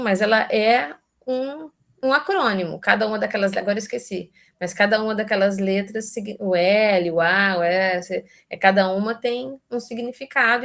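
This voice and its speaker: A woman's voice: mid-range voice, gravelly. Chatty Brazilian woman lecturing. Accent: Brazilian Portuguese. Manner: chatty, constantly adds tag questions; restarts and self-corrects mid-sentence. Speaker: university lecturer. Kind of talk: informal live lecture.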